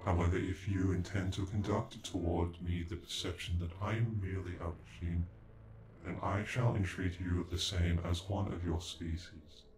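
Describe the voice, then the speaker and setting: Man voicing a very deep, proud android. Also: steady tone, moderate pace, background noise. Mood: stern, demanding. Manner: stilted, formal, stuttering on glitched words. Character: proud, cold, sentient male android, indignant and formal. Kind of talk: ASMR roleplay acting. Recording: echoey, with background music.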